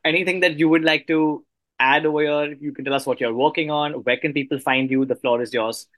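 A man's voice: a little high, fairly even intonation, a little fast, a bit bright, no echo. A man hosting a conversational podcast interview in an enthusiastic, appreciative manner. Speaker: podcast host.

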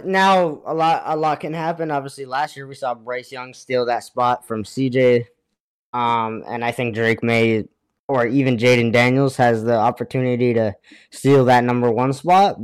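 A man's voice: medium pitch, smooth. A man co-hosting remotely, giving casual sports analysis in a conversational way. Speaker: podcast co-host. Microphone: remote connection.

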